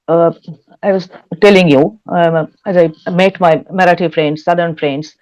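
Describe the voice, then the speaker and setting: A woman's voice: mid-range voice, darkish tone. A woman from West Bengal with a Bengali Indian accent, explaining things in an interview and often searching for her words. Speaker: interview guest, folktale researcher and writer. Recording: dull, lo-fi audio.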